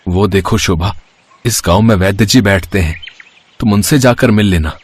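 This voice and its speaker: A man's voice: on the low side, moderate pace, slightly rough. A man playing a simple, caring farmer husband in a moral story cartoon, earnest and plain-spoken. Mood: reassuring.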